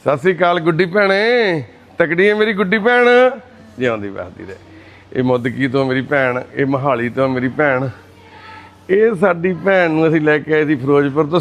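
A man with a fairly high voice speaks softly and kindly, doing the rounds of a shelter and chatting with each resident. He comforts and reassures the people he greets. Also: a little hiss or hum. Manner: gentle and reassuring, calls women mother and sister. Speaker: charity volunteer visiting residents. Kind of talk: casual chat with care-home residents. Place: indoor shelter for destitute people.

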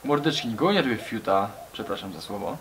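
A man's voice: on the low side, expressive, fast talker, fairly bright tone, slight background noise, rough recording. A young man talking casually to camera in a small garage, rambling and slangy, often calling his viewers buddies. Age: young adult. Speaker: vlogger. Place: small garage with brick walls.

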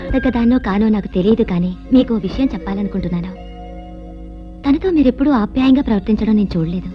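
A calm, wise woman, played by an actress giving measured advice at a quick pace. Dull film audio carries faint music behind her. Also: mid-range voice, close to an everyday voice.

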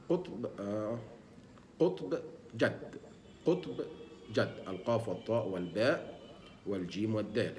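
A man giving a Quran recitation lesson, explaining letter sounds and demonstrating them slowly and repeatedly, asking himself questions as he goes. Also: medium pitch, slight background noise.

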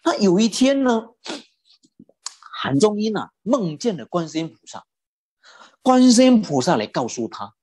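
A Buddhist teacher giving a dharma talk and telling a story in an animated way, stretching out particles like "oh" and "ah". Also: medium pitch, unhurried, pauses often, breathy edge.

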